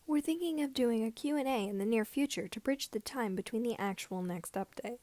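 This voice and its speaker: Woman as a young male vlogger, higher voice, wry, cheerful, self-deprecating, audio story, dry recording. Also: a little fast, dark tone, no echo, natural voice. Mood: chatty, upbeat. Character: wry, cheerful young man hosting fan update videos.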